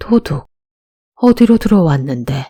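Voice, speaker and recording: A put-on character voice, female-sounding and fairly low in pitch, moves at a fairly slow pace. It swings very widely up and down. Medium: read story. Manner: terse, authoritative.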